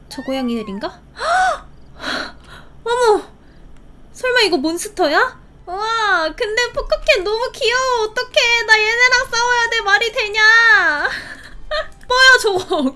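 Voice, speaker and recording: Bright, giggly young woman gaming. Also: very high-pitched. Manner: excitable, giggly, gushing exclamations. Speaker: game channel host. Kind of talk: casual game play commentary. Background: game music.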